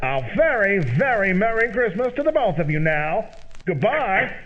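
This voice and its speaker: A man playing a sly, overpolite, folksy scrounger in an old-time radio comedy, wheedling and flattering as he talks. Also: sits high, moderate pace, lo-fi sound, a little hiss or hum. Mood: folksy, chummy. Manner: folksy, flattering, repetitive phrasing.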